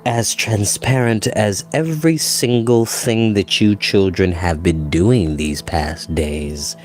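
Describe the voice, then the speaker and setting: Man voicing a deep, slow, cold storybook villain. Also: soft background music. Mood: quiet menace. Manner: slow, deliberate, softly conversational menace. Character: tall, cold, menacing man, quietly sinister villain. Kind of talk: dramatic audiobook character reading.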